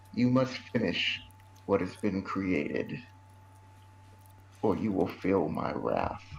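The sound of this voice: A man whispers in a soft-spoken, menacing put-on character voice at a fairly slow pace. Long, frequent pauses break his speech over light background noise.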